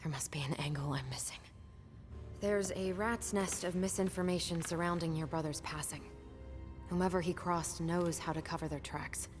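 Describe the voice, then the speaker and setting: An actress playing a shrewd, worried woman political aide who reports in a hushed, quick manner. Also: on the low side, fairly even intonation, soft background music, lightly acted. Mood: concerned. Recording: reverberant hall.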